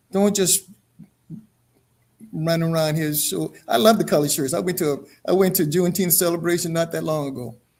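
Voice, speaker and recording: Talking at a fairly quick pace with an American accent, a man has a high pitch and ordinary pitch variation. He leaves long, frequent pauses. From US South, Charleston, South Carolina. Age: 70s. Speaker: historical association president. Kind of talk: interview conversation. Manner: halting.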